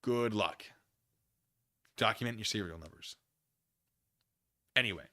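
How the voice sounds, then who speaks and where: A man hosting a live stream, reading documents aloud and commenting casually with conversational, animated asides. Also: lowish voice, unhurried. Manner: conversational, animated asides, acts out imagined dialogue.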